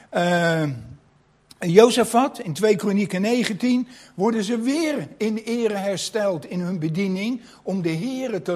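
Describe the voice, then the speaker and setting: Slow, breathy high-voiced male preacher. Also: a little mellow. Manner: reflective, personal, rhetorical questions. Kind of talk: sermon.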